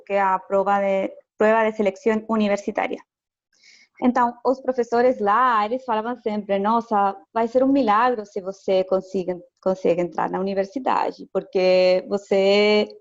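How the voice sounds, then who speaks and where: A woman's voice: medium pitch, fairly even intonation, moderate pace, dull audio. Chilean woman, hesitant careful Portuguese. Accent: Chilean Spanish. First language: Spanish. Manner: careful, hesitant, laughs often. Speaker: interview guest, education lecturer. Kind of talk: casual video call interview.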